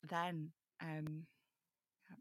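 A woman chats casually before a script reading, a little self-conscious and given to nervous jokes. Her voice sits fairly low, and the recording is close and dry. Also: little pitch movement, extremely slow, dry recording. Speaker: voice actor. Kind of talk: casual chat before a table read.

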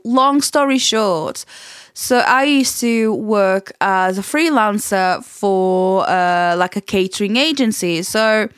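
A woman with a Portuguese accent touched by a Yorkshire twang hosts a casual podcast on her own. She rambles and restarts in an easy, chatty way at an unhurried pace. The sound is close and dry, with no room around her. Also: mid-range voice, smooth, no echo. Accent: Portuguese, with a slight Yorkshire twang. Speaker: podcast host. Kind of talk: casual solo podcast monologue.

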